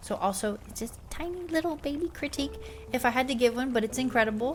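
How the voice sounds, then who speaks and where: Noticeable background noise sits behind a high-pitched woman. She talks very fast with lively intonation. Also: big swings in loudness. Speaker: gaming youtuber. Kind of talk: casual chat.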